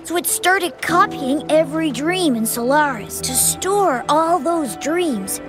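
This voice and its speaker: A woman's voice: high voice, animated, slow, music in the background. A woman voicing a mysterious white cat spirit who guides the player, with a coy, secretive, teasing manner.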